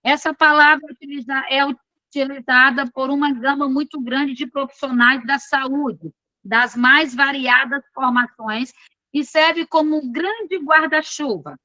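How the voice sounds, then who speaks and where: Bright, high-voiced woman teaching. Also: steady tone, unhurried, no room sound, dull audio. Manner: chatty and informal, with frequent checks on the students. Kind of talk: online class lecture.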